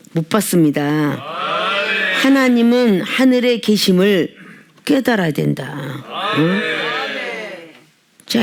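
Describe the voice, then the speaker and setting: A woman pastor preaching an emphatic sermon at a healing service, often prodding listeners with tag questions. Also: medium pitch.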